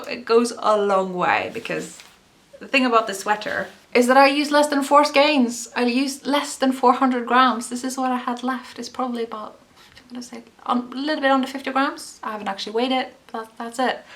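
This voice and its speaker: A woman's voice: medium pitch, pushed and bright. A young woman hosting a knitting video podcast, chatting in a rambling, self-deprecating way. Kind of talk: casual vlog chat.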